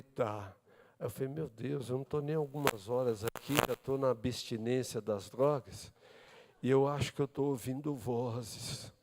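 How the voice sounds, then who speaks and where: A Brazilian man preaching a sermon, telling his own story and acting out the dialogue, swinging between loud and hushed speech. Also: on the high side, big-room sound. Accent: Brazilian Portuguese. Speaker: pastor. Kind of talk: testimony sermon. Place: church service.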